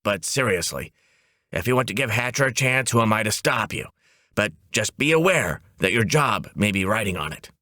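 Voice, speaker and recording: A man voices a wisecracking female office boss, bright and forceful, in a comic audiobook style where his pitch leaps all over the place. The delivery is breezy, blunt, and emphatic, at normal speed with lively intonation, captured in a clean studio without echo.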